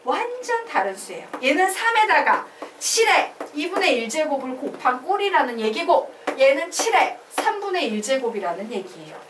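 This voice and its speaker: Animated woman math teacher in echoey classroom. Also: sits high, normal speed, recorded from a distance, a little hiss or hum. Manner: animated, asks the class questions and drills answers. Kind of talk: classroom lecture.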